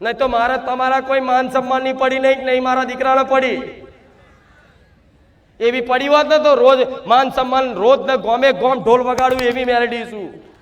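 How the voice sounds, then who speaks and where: A man, speaking loudly as a spirit medium in a trance sermon to devotees, full of repetition and rhetorical questions. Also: very high voice, fairly even intonation, normal speed. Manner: loud, shouting, declamatory.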